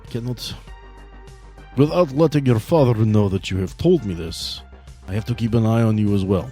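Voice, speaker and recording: Man playing a measured, low-voiced figure of authority. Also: lively intonation, dark tone, faint music behind, close to an everyday voice. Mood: grave, cautious. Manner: formal, deliberate wording. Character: measured, courteous authority figure, proud host of his town. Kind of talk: improvised role-play dialogue.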